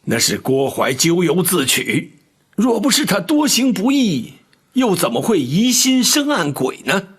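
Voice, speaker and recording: An actor playing a courteous, approving palace eunuch official in a period drama, measured and polite. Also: male voice, sits high, big pitch swings, husky, heavily acted. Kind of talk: theatrical Chinese period drama acting.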